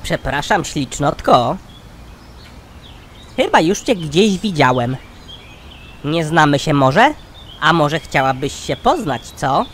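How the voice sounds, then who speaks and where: An actor playing a crude, cheeky, forgetful old man in a cartoon comedy, joking bluntly with a deadpan manner. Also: fairly high pitch, slow pace, long pauses, slight background noise, heavily acted. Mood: flirtatious. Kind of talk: cartoon comedy sketch dialogue.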